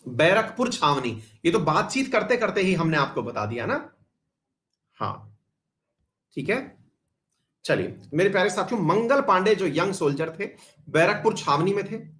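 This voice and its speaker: A man's voice: sits high, sing-song, measured pace, long pauses, a bit bright. A man teaching a history class online, chatty, putting questions to his students and drifting into side remarks, with English terms mixed into his talk. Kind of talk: online exam-prep class.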